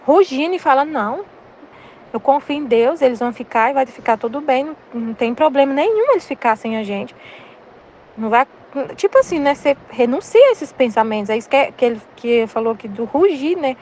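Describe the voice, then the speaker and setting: A woman's voice: high voice, lively intonation, a little fast, darkish tone, slight background noise. Brazilian woman sharing faith testimony. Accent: Brazilian Portuguese. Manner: candid, repetitive, personal testimony. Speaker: Catholic study group leader. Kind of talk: casual spiritual reflection.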